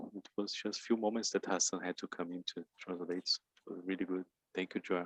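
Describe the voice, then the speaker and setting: A man speaks at a fairly quick pace in a very deep, low voice, his intonation monotone and flat, the sound dry and close with no echo. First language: Portuguese. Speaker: webinar moderator. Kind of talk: moderating Q&A, reading questions.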